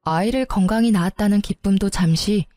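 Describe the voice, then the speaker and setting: A woman's voice: medium pitch, brisk, warm tone, no room sound, studio quality, faint music behind. A young woman narrating a first-person story in a confiding, indignant way.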